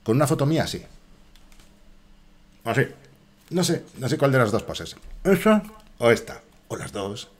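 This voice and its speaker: A man with a Spain Spanish accent, commenting live on a horror game he is playing, with frequent swearing and excited outbursts at enemies and chat. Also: mid-range voice, a little slow, pauses often. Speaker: streamer.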